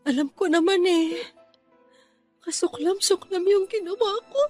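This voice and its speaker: Woman acting remorseful fragile bride, extremely high voice, slow, tearful, pleading, radio romance drama. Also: a little mellow, soft background music. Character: remorseful, fragile bride begging her groom's forgiveness.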